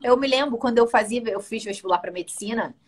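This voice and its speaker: Guest voice: talkative Brazilian woman, husky and fairly high, keeps asking if you follow. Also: fast. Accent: Brazilian Portuguese. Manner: talkative, keeps checking in with the listener. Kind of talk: casual conversational interview.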